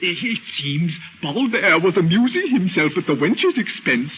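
An actor playing a blustery, hearty Regency aristocrat with theatrical exclamations in 1930s radio acting style. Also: male voice, sits high, very animated, moderate pace. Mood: amused. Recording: scratchy, phone-like 1930s radio recording.

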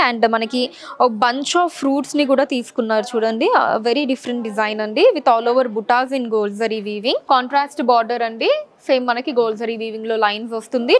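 Woman showcasing sarees. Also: on the high side. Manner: steady, polite listing of colors and prices. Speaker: saree store presenter. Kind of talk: product showcase. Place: large saree showroom, indoors.

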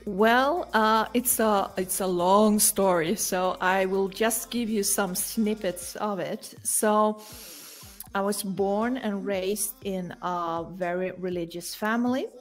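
A woman's voice: mid-range voice, slow pace, faint music behind. Middle-aged woman with a Swedish accent. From Sweden. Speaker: guest, coach. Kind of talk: conversational personal storytelling. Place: home room indoors. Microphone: video call.

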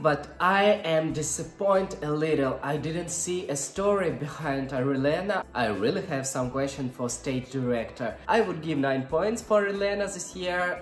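Young man, gushing reaction host, roomy echo, faint music behind. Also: on the high side. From Ukraine. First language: Russian and Ukrainian. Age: 20s. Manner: effusive, exclaims often, simple non-native English. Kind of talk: casual reaction vlog. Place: indoor room, seated before an ornate armchair. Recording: echoey room with faint music.

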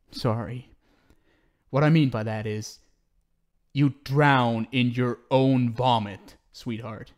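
Man acting obsessive talk show host, slow and unhinged. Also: medium pitch, steady tone, darkish tone, lightly acted. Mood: menacing. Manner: cooing, theatrical, swinging between sweet pet names and pleading. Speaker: audio roleplay performer. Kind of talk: ASMR roleplay acting.

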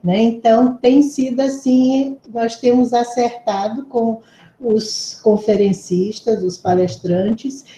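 Woman, organizer, slow-spoken, very dark mellow tone, slightly high, roomy video-call sound. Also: fairly even intonation. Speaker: event organizer. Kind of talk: closing remarks in an online lecture.

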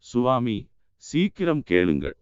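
A man's voice: medium pitch, wildly swooping pitch, slow pace, clear, resonant tone, no echo. A man voicing a desperate young woman who pleads anxiously for rescue, in a dry, dull-sounding audiobook recording. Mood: desperate pleading. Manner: pleading, anguished.

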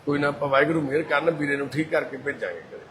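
A man running a care shelter, talking calmly and gently with residents and their families. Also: a little high, rapid-fire, crowd noise. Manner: calm, gently reassuring, soft-spoken. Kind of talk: casual talk with residents and families.

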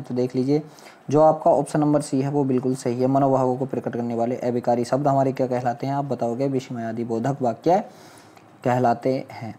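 Mellow-voiced man teaching. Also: medium pitch. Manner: didactic, asks and answers own questions. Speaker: exam coaching teacher. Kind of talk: explanatory test-prep lesson, question by question. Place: voice-over on a screen recording.

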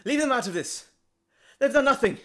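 A man's voice: very high voice, animated, normal speed. A man playing an earnest, nervous scientist and professor in an audio drama, with hesitant, stammering, wordy and formal speech. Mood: frightened, urgent. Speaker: voice actor. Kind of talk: dramatic roleplay audio acting.

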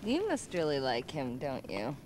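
An actress playing a scornful, wounded young gypsy psychic in a dramatic video game cutscene. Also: female voice, a bass voice, wildly swooping pitch, moderate pace, darkish tone, a little hiss or hum, full character voice. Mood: teasing. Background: music.

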